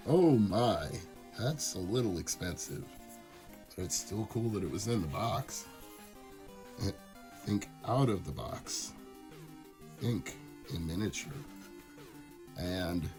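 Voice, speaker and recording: Male vlogger, hoarse and raspy from a cold, lowish voice, easygoing chatty show-and-tell, music playing behind. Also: a little mellow. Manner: chatty, easygoing, enthusiastic about finds. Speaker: thrifting video creator. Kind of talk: casual show-and-tell chat.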